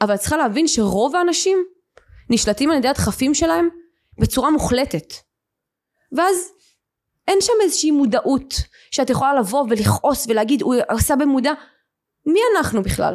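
A woman speaks at a high pitch with very wide pitch swings and very even loudness. Her pace is moderate, with long, frequent pauses. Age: 20s. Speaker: podcast host and guest, reality show contestant. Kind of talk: conversational interview.

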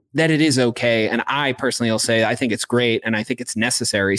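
This man's voice sits at a medium pitch with ordinary pitch variation, a normal speaking voice. The sound is dry and close, with no echo. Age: 30s. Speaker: musician and songwriter. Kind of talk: casual chat. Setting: video call.

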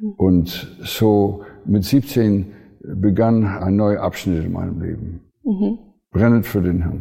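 Fairly even intonation marks speech delivered very slowly. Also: man, fairly low pitch for a man. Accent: English. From US Pacific Northwest, Washington State. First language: English (speaking German). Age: 80s+. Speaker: retired theology professor and missionary. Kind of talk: interview.

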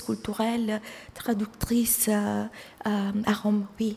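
The voice stays monotone and flat over noticeable background noise. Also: woman. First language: Italian and Somali (speaking French). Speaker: writer. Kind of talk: interview. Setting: bookshop with live audience. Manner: halting.

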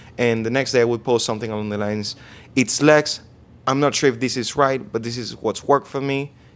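The speaker has a Spanish accent and a fairly quick pace. The intonation stays fairly even. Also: man. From Venezuela, Caracas. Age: 20s. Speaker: online fitness coach. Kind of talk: interview. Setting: recorded on camera in Vegas.

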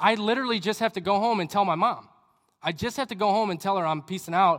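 A loud, high-pitched male voice on a very clean recording with a silent background. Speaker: guest preacher at young adult ministry. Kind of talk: sermon. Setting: church with live audience.

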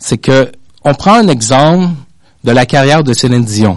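A man speaks with lively intonation at a fairly slow pace. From Quebec, Montreal. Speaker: debate contestant, radio show host. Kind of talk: competitive debate. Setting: radio studio.

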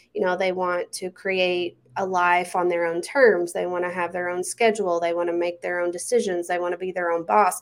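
With a Southern US accent, a woman talks at a moderate pace with hardly any pauses, her fairly low pitch held in fairly even intonation. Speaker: business coach and entrepreneur. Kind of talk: interview conversation.

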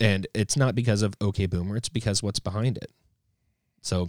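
In a very clean recording with a silent background, a man with an unremarkable speaking voice talks at a fairly quick pace, fairly low in pitch, with ordinary pitch variation and a dry, close sound with no echo. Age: 30s. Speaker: guest co-host, businessman. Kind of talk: casual chat.

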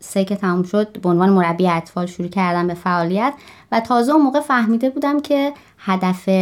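A woman speaks rather briskly, her intonation lively and varied. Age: 30s. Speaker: biology graduate and community volunteer. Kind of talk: interview. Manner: calm.

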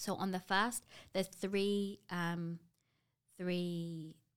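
In an English accent, a woman speaks with a fairly low pitch and fairly even intonation. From London, England. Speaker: small business owner. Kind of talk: casual chat.

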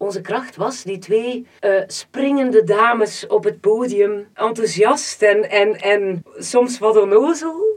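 Over noticeable background noise, a woman speaks at a very slow pace with hardly any pauses. Her fairly high pitch shows ordinary variation. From Flanders, Eeklo (East Flanders). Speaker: radio and TV presenter, singer. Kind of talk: casual interview chat. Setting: studio.

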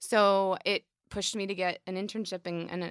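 A woman with an American accent speaks at a moderate pace in a monotone, flat way. The sound is dry and close with no echo, in a very clean recording with a silent background. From Colorado, Denver. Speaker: church worship leader. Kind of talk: casual interview.

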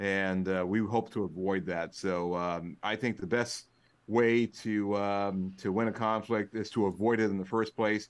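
Speaking at a fairly slow pace with an American accent, a man has a plain, everyday voice, a fairly low pitch, and fairly even intonation against a quiet background. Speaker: senior defense intelligence official. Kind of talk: interview. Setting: video call.

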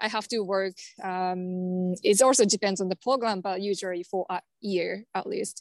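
A woman speaks at a medium pitch with a Japanese accent. The sound is dry and close with no echo, over a quiet background. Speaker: guest, Japanese expat in Canada. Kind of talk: casual chat. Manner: halting.

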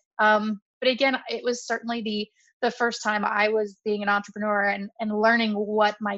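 A woman with an American accent speaks at a moderate pace in a fairly high, flat monotone, the sound dry and close with no echo. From Kansas, US. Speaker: bookkeeper and business consultant. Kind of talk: casual interview chat.

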